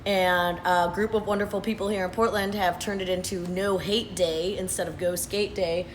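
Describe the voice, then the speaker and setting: A hoarse man in his thirties talks earnestly in a casual vlog, pausing often with "uh" and "um". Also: high voice, flat delivery, slight background noise. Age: 30s. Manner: earnest, unhurried, with frequent "uh" and "um". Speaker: vlogger. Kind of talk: casual talking-head update. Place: sitting at his workplace after hours.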